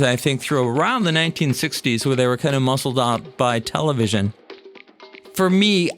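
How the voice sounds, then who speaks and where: American guy narrating his own story, kinda high voice, chatty and folksy, bit of music behind. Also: fairly bright tone. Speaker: podcast host and storyteller. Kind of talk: first-person narrated storytelling. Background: background music.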